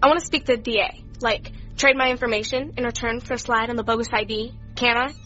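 A sarcastic, slangy teenage girl, played by a young woman, talking back to detectives in a radio drama. Her voice sits high and bright. The recording is a little dull. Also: fairly even intonation, fast, soft background music. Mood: snarky. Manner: sarcastic, slangy, eye-rolling. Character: flippant underage female witness, sarcastic teen. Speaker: witness being questioned.

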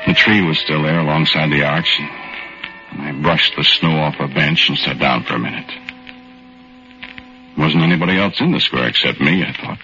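A very deep-voiced, folksy working man. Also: normal speed, pauses often. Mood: reminiscing. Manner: folksy, relaxed storytelling. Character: easygoing New York working man recalling the past. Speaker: narrator and main character. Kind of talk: 1940s radio drama narration. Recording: dull lo-fi old radio recording with music behind.

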